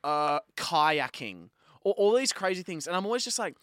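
Young Australian male co-host, higher-than-average voice, animated casual chat, dry studio-like closeness. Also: very fast, dry recording. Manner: sweary, informal slang. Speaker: podcast co-host. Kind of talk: casual banter.

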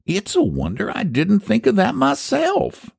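Storybook part: man performing a homespun, gullible country American pie baker, earnest, pitched well up, swinging intonation. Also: wildly swooping pitch, moderate pace, vocal fry, no echo, studio quality, full character voice. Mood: eager. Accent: rural American.

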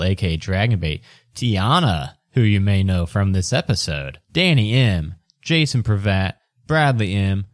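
A man's voice: fairly low pitch, no room sound, studio quality. A man hosting and narrating a tabletop game in a casual, improvised style. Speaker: game master and podcast host.

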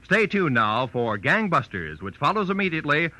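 Very bright, punchy vintage radio announcer man. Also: fairly high pitch, big pitch swings, normal speed. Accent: American. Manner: polished, punchy, promotional. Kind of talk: 1940s network radio announcing. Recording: vintage 1940s radio broadcast.

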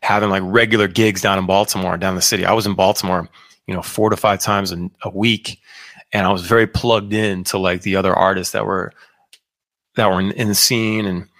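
A man musician in a casual live chat, talking in a relaxed, drawn-out, easygoing way. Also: low-pitched.

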